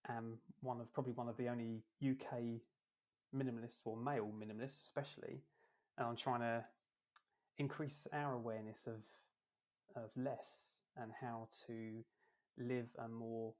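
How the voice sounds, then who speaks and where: A man's voice: medium pitch, level tone, moderate pace, darkish tone. A British man from London, a podcast guest and author, talking casually with frequent ums and restarts. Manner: hesitant, with many ums and restarts, joking. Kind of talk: casual interview talk.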